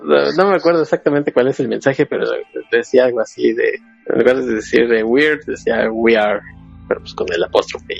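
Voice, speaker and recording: A gravelly, creaky man hosts a relaxed podcast chat and asks easygoing questions. The recording sounds a bit dull and lo-fi, with faint music underneath. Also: mid-range voice, brisk, no room sound. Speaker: podcast host.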